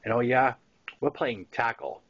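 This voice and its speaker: Male narrator, 60s, Boston accent, conversational memoir read, average pitch, muffled lo-fi recording. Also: a little slow. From Massachusetts, US. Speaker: author reading his own novel. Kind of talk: narrated memoir reading with casual asides.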